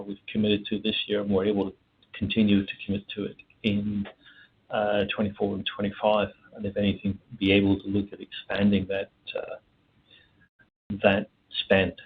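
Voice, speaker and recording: A man, a company executive, answering analysts' questions on an earnings call, halting with many fillers and restarts. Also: lowish voice, breathy edge. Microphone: phone. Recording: tinny phone line.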